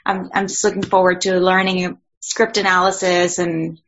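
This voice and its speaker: A woman's voice: fairly low pitch, level tone, normal speed, a bit bright. Woman with a Cuban Spanish accent. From Cuba. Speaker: voiceover student. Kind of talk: self-introduction in an online class. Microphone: video call. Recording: dull, lo-fi video call audio.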